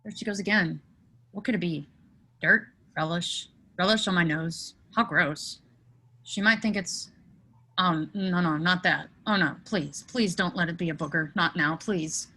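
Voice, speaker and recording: A woman's voice: on the low side, measured pace, pushed and bright, full character voice. A woman playing a nervous, lovesick teenage boy in a comedy table read, with a hesitant, stammering manner. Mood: fretful.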